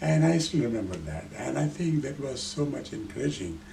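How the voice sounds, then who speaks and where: A man speaks at a moderate pace with very wide pitch swings. Room echo is audible. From Pakistan, Sindh province. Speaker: painter and art teacher. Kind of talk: interview. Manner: hesitant, many fillers.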